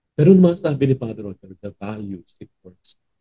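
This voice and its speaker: A man talks at a fairly quick pace with a dark, mellow tone. The sound is dry and close, with no echo. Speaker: voice talent, radio drama writer and actor. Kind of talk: interview answer.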